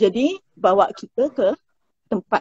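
In a dry sound with no echo, a woman talks very slowly at a high pitch, her voice making very wide pitch swings. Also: quiet background. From Malaysia. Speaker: choreographer; guest. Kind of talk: casual interview. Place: home room. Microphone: video call.

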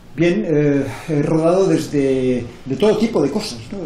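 A man's dark, mellow tone with audible room echo. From Barcelona, Spain; Spain. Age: 60s. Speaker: filmmaker. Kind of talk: interview. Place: office. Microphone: lapel.

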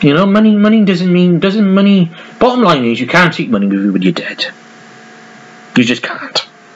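A man with a Welsh accent talks in a high voice with lively intonation. His pace is fairly quick, yet he takes long, frequent pauses. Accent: Welsh (Newport). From Wales, Newport (Pill). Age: 20s. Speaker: YouTuber. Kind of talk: casual monologue vlog. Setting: home video recording. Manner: rambling, repetitive. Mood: loose, candid, frequent swearing. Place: home room. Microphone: webcam.

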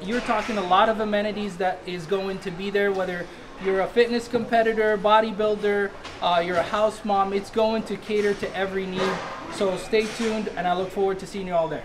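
With noticeable background noise, a man with a high voice talks fairly quickly in a flat, monotone way. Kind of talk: interview-style promo talk. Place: gym.

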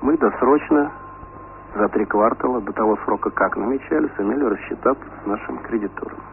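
Moderate pace from a man, ordinary pitch variation, and light background noise. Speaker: factory manager or director of a television-set plant, interviewed. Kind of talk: radio interview answer. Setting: old Soviet radio broadcast recording. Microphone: old recording.

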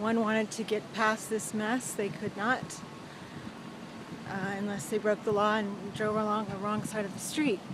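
At a moderate pace with long, frequent pauses, a woman speaks over noticeable background noise in a dry sound with no echo. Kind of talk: walking commentary. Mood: annoyed, documenting complaint. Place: street. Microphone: phone near.

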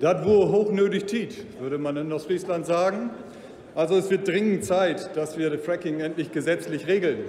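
A man speaks at a high pitch over light background noise, with audible room echo. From East Frisia, Germany. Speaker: member of parliament. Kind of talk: parliamentary speech. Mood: light, humorous asides. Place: hall. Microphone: podium.

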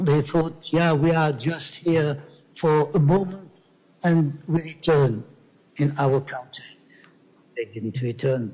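A man with a French accent speaks at a very slow pace, leaving long, frequent pauses. His voice is fairly high, somewhat breathy, and has a dark, mellow tone. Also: ordinary pitch variation. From Algeria. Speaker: poet. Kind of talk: poetry reading. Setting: stage with audience. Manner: halting. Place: hall. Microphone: podium.

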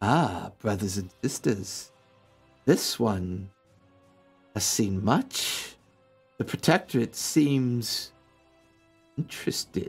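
A man's put-on character voice at medium pitch, very slow, with long, frequent pauses and faint music in the background. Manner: eerie, hungry, coaxing.

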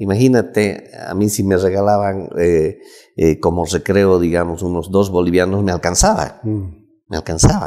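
A man's very deep, low voice with a dark, mellow tone, fairly even intonation and a fairly slow pace over a quiet background. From Bolivia, Potosí city; Bolivia. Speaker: journalist and press union leader; journalist. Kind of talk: interview; interview answer. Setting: studio set. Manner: hesitant, many fillers. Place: studio. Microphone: lapel.

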